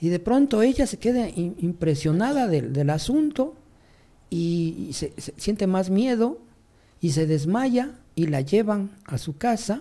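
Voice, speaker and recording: Very slow, high-pitched male speech with a dark, mellow tone and very wide pitch swings. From Ecuador. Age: 50s. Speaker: professor and author; guest. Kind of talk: interview conversation. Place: studio. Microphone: studio mic.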